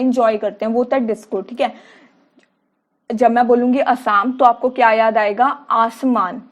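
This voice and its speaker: A woman teacher explaining memory tricks to students, asking questions and answering them herself while repeating key words. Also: fairly high pitch. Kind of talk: mnemonic lesson for students.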